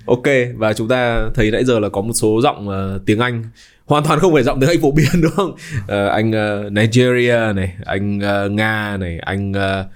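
A man's voice: fairly low pitch, steady tone, moderate pace. A man hosting a podcast in casual chat, explaining at length and dropping in English terms. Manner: explanatory, mixes in English terms, many fillers. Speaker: podcast host.

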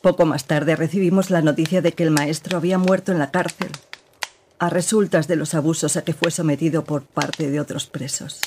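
A woman's voice: low voice, fairly even intonation, fairly quick, noisy background, close to an everyday voice. A woman narrating a radio drama in a sober, somber storytelling way.

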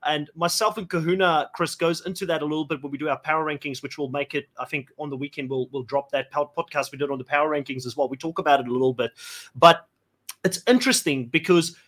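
A man's voice: a little high, steady tone, quick pace, a bit bright. A man whose first language is Afrikaans, hosting a podcast and putting questions to a guest in a chatty, enthusiastic way. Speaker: podcast host. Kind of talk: casual interview chat.

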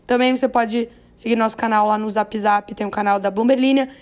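A hoarse, raspy-voiced woman with a Brazilian accent, hosting a news podcast in a chatty, playful way with self-deprecating asides. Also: a little high, fairly even intonation, brisk. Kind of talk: chatty, conversational news narration.

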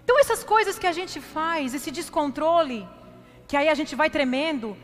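A woman pastor with a high-pitched voice preaches at a normal pace in a church hall, where a long reverb rings around her and faint music plays underneath. She tells her personal story in an animated, confessional way, poking fun at herself and repeatedly speaking straight to the congregation.

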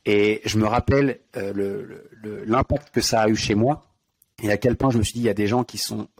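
A man's voice: lowish voice, fairly even intonation, brisk, a little mellow. A man from France, hosting an interview podcast, recounts a personal story in a reflective, hesitant way with many fillers. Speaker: podcast host. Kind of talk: conversational interview talk.

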